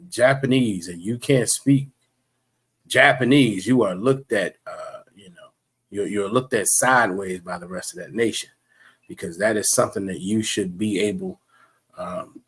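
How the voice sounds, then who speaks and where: A man with a fairly low, husky voice leads a livestreamed religious class. He preaches in long, repetitive runs, stumbling over fillers and restarting his sentences as he goes.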